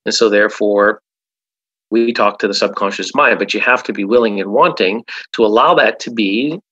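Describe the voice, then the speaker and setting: A man's voice: fairly low pitch, moderate pace, pushed and bright, muffled recording. A man, a hypnotherapist guest in an interview, talking emphatically and often repeating "absolutely". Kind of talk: casual interview talk.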